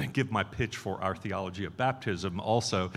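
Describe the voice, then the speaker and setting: At a fairly slow pace, a man with fairly low pitch and ordinary pitch variation speaks in an unremarkable speaking voice. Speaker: retiring pastor. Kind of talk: interview conversation.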